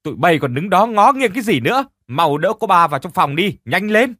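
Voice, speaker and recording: A man voicing a harsh, domineering rich old matron who scolds her servants in shrill shouts, in an audiobook reading. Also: very animated, brisk, dry recording, studio quality, full character voice. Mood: furious scolding. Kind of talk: audiobook narration.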